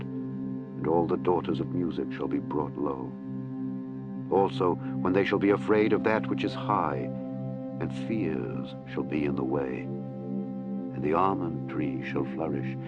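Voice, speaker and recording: Deep-voiced man reading scripture over music. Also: highs cut off. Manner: solemn, measured, declamatory. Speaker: audiobook narrator. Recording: music behind the voice. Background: background music.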